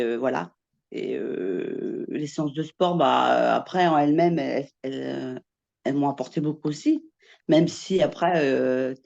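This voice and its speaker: A woman's voice: low voice, gravelly, warm tone, muffled recording. A woman in her fifties, from Portugal, giving a casual testimonial about her coaching. She talks hesitantly, with many restarts, and laughs easily. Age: 50s.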